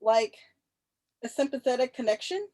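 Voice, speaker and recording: A woman's voice: fairly high pitch, expressive, moderate pace, dark tone. A woman at a table read playing a polite, anxious and curious young woman. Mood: curious, concerned.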